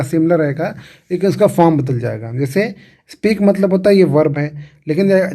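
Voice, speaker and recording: A man's voice: fairly high pitch, mellow. A man, explaining English grammar to students, often repeating himself and asking questions. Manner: repeats and restarts words, asks the class questions. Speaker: English teacher.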